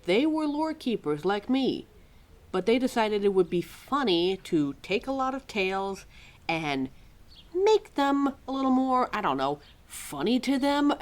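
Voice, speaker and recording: Woman acting as female lore keeper, fantasy audio roleplay, exasperated, opinionated, sarcastic, conversational, highly animated intonation. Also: a little slow. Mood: indignant. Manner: sarcastic, chatty, heavy sighs and mimicked quotes. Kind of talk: ad-libbed audio roleplay addressed to a listener.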